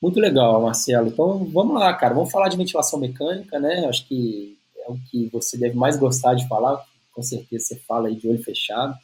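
A man's voice: medium pitch, fast, darkish tone. A man with a Brazilian Portuguese accent hosts a live chat. His voice sits in a middle register, and he speaks informally, addressing his guest like a buddy. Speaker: live-stream host.

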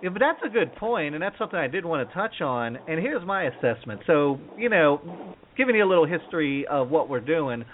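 A man's voice: fairly high pitch, very animated, a little fast. A man hosting a podcast interview, talking in an easygoing, rambling way. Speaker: podcast host. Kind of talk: casual interview chat. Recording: tinny phone-like line with faint noise.

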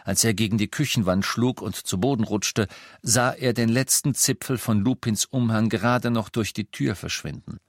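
A man narrates an audiobook from a script in an even, measured storytelling manner. His voice is on the low side, and the studio-quality recording has no echo.

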